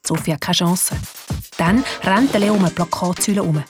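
A woman with a Swiss German accent narrating a children's radio play in a lively, expressive way. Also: fairly low pitch, fairly quick, soft background music. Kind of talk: storytelling narration.

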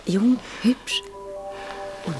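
A woman voicing a calm young female friend in a whispered role-play, with a Swiss German accent and a hushed, reassuring manner. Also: fairly high pitch, extremely slow, heavily acted. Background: music.

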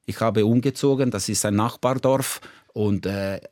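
Hesitant Italian-Swiss man, low dry voice. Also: moderate pace, a little mellow, no echo. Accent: Ticino Italian-Swiss accent in German. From Ticino, Switzerland. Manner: hesitant, many filler sounds. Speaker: guest, goalkeeping expert. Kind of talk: casual talk show chat.

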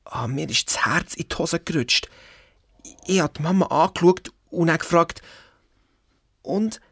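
Woman playing a Swiss German boy, earnest narrator, lowish voice, audio drama, music underneath. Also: dry recording. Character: boy, about twelve, torn and secretive. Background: background music.

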